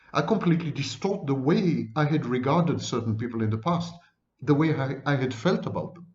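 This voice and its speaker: With audible room echo, a man with vocal fry speaks at a moderate pace and a fairly high pitch, his intonation lively. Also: big swings in loudness. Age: 60s. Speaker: psychology professor. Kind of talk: monologue.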